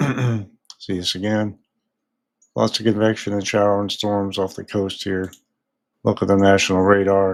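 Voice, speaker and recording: A man with an American accent, fairly low in pitch and monotone, flat in intonation, at a fairly slow pace with long, frequent pauses. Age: 50s. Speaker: meteorologist. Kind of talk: weather forecast talk to camera. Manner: casual, hesitant.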